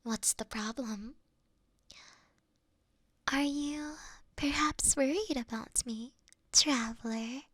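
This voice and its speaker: A woman playing a mischievous, affectionate fox-spirit shrine priestess in an intimate roleplay, coy and teasing, often slipping into a breathy whisper. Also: high voice, takes it slowly, pauses often, fairly bright tone, no room sound, studio quality, exaggerated voice. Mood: soft, flirty. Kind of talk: intimate roleplay ASMR acting.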